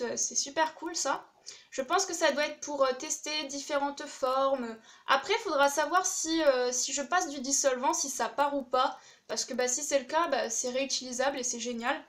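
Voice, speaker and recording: A woman's voice: high-pitched, fairly bright tone. A young woman chatting casually and enthusiastically as she unboxes craft supplies, with many fillers. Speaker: craft YouTuber opening a swap package.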